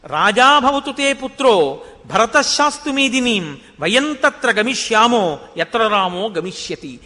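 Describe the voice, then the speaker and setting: A man's voice: sits high, a bit bright. A man voicing an angry old royal minister who scolds a queen and chants verses. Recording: long hall reverb.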